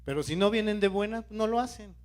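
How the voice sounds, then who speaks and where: Lay preacher, man, high voice, questions the congregation throughout a sermon. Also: a little fast, a little mellow, soft background music. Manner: questions the congregation and urges them to stay alert; keeps calling out to his listeners.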